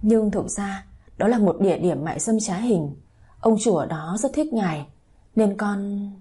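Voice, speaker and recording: A woman's voice: mid-range voice, expressive, a little slow, warm tone, breathy edge. A woman voicing a remorseful young woman, tearful and pleading. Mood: pleading, sobbing. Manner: tearful, pleading then bitter. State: crying.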